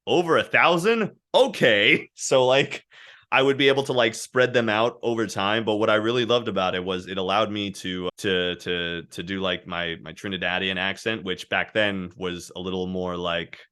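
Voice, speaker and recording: A man who works as a voice actor, chatting as a guest and telling animated stories about his work. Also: low-pitched, normal speed, clean tone. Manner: animated, anecdotal storytelling. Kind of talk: casual interview chat.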